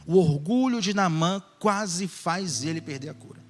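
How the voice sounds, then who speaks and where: A man with a Bahian Brazilian accent preaching a sermon, animated, with joking asides and acted-out dialogue. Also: high voice, normal speed, long reverb tail, faint music behind. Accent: Bahian Brazilian Portuguese.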